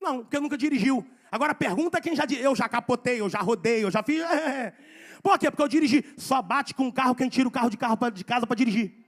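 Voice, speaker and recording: Fervent high-voiced preacher. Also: male voice. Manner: fervent, shouting exhortations with drawn-out emphasis. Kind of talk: sermon. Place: church.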